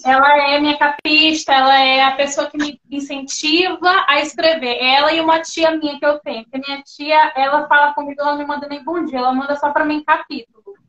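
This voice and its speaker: A woman's voice: high voice, fairly even intonation, fairly quick, a bit bright. A woman from Rondônia, Brazil, an author talking as the guest of a live-stream interview, chatty and self-deprecating. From Porto Velho, Rondônia, Brazil. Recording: dull lo-fi audio.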